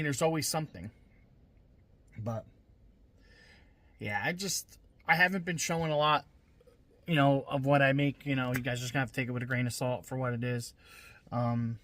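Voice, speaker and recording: A man's voice: medium pitch, a bit bright. A man talking casually on his vlog, blunt and venting, swearing freely and restarting his sentences often. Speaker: scrap-metal vlogger. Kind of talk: casual rambling vlog talk.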